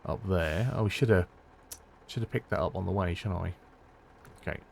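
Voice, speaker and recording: A man's voice: sits low, normal speed, gravelly, slight background noise. A man, chatting casually through a video game and chuckling often, his voice a little strained. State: voice strained, close to losing it. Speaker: gameplay commentator. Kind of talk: casual let's-play commentary.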